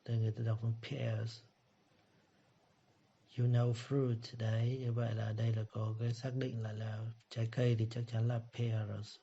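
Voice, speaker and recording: Guy teaching pronunciation, repeats every word, kinda flat and husky, muffled lo-fi sound. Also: mid-range voice. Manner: repeats words slowly, then explains. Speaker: English teacher. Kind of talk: pronunciation lesson. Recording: dull lo-fi recording.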